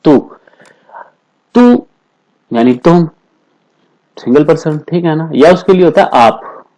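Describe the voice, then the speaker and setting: A man teaching Spanish in a classroom-style lesson, explaining patiently, repeating phrases, and saying the Spanish examples slowly and carefully. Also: on the high side, lively intonation, warm tone, muffled recording. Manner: explains patiently, repeats phrases, keeps asking "theek hai na".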